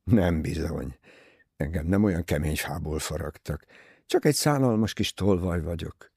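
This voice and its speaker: A man reads an impulsive, self-mocking young man in an audiobook. His low, husky voice swings widely in pitch with restless energy, dry and close to the mic. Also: lively intonation, darkish tone, dry recording, exaggerated voice. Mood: tender.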